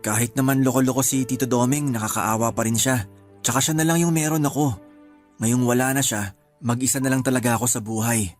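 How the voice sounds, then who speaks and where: A man's voice: mid-range voice, steady tone, a little fast, lightly acted. An actor playing a grieving young man at his uncle's wake in a radio drama. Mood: sad. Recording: faint music under the voice.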